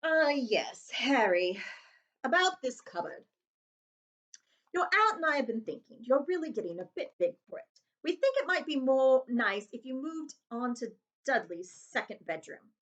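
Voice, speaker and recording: A woman's voice: sits high, big pitch swings, measured pace, fairly bright tone, dull audio, voice pushed up, heavily acted. A woman voicing a blustering, bullying, panicky middle-aged man who barks and mutters in a children's storybook read-aloud. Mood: falsely nice. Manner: barking, snapping, muttering.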